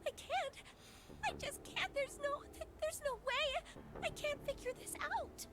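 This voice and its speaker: A woman's voice: extremely high pitch, unhurried, noisy background. A woman voicing a terrified young girl who is crying and pleading for help in a video game. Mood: frightened. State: crying, panicked. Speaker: game character voice.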